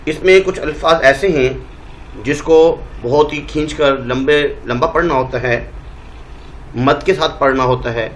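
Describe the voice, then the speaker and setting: A male teacher with a Pakistani Urdu accent, giving a Quran reading lesson and drawing out each letter name slowly to show how it is said. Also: fairly high pitch, a little hiss or hum, low-quality recording. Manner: draws out letter names slowly, modelling pronunciation.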